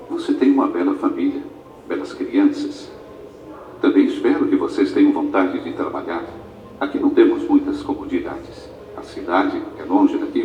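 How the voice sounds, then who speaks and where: A man's voice: low voice, dark tone, slight background noise. A man voicing a stern farm owner. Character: stern male Brazilian farm owner, middle-aged. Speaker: museum exhibit character. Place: museum exhibit playback. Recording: echoey room, heard from far off.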